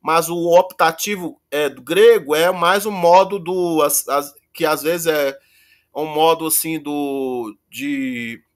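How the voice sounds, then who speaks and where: A man teaching Greek in a casual online lesson, halting and self-correcting, reciting verb endings slowly. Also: on the high side.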